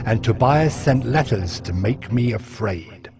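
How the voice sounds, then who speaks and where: A man playing a steadfast, devout ancient governor, narrating his memoir of scripture in a solemn, measured way. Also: medium pitch, expressive. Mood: solemn, resolute. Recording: music behind the voice.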